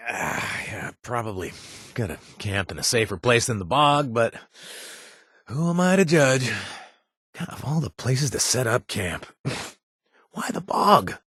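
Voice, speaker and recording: A man's voice: medium pitch, very animated, measured pace, pauses often, a bit bright, slightly rough, no room sound, studio quality, full character voice. An actor playing a wry adult male bartender and former gang member, joking and conspiratorial, in video game voice lines. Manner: joking and conspiratorial, laughs often.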